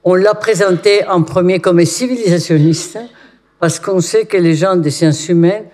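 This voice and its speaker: A man with a fairly high voice opens a study day by introducing the guest speaker. He speaks in an easy, informal way, with small jokes. He is heard in a lecture hall. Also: unhurried, a little mellow, a little hiss or hum. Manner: informal, switching into a joking tone. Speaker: event organizer introducing the speaker. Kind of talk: introduction at a conference.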